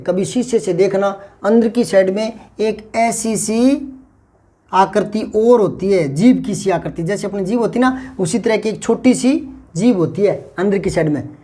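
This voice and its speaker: A man's voice: high-pitched, unhurried, mellow. An older man with a Rajasthani Hindi accent, teaching a Hindi lesson in an explanatory way, often checking that students follow. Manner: explanatory, repeats and checks understanding. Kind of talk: classroom lesson on phonetics.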